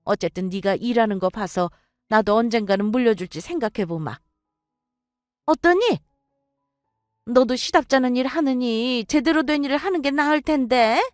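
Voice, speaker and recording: A woman's voice: on the high side, expressive, moderate pace, no echo, clean studio sound, soft background music, close to an everyday voice. A woman voicing a domineering, condescending middle-aged restaurant owner who scolds her future daughter-in-law. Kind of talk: audio drama acting.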